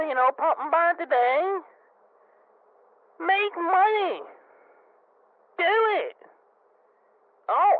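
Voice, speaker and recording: High chatty british guy, someone putting him on leaving a voicemail, tinny phone sound, rambles and jokes. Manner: rambling, jokey, talks to people off-line. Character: cheery chatty British male business partner. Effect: voicemail played over a phone.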